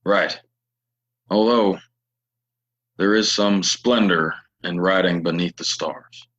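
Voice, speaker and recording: An actor playing a reserved, weary, honorable drifter in a Western audio play, halting and solemn, on a dull recording. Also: male voice, low-pitched, a bit bright, heavily acted. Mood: fond, solemn.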